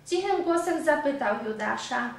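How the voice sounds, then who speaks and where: A woman narrating a story in a steady, even reading voice. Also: high voice, moderate pace, creaky. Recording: very echoey room, far from mic.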